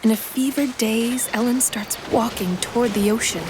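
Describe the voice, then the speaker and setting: A woman's voice: a little high, steady tone, normal speed, heavy background noise. A woman delivering scripted narration of an action story in an audio fiction podcast. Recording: loud music behind the voice.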